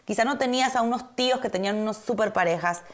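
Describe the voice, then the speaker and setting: A woman from Argentina, co-hosting a podcast in casual chat with her husband, animated and emphatic. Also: on the high side, fast talker. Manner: animated, emphatic, repeats words for effect. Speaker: podcast co-host.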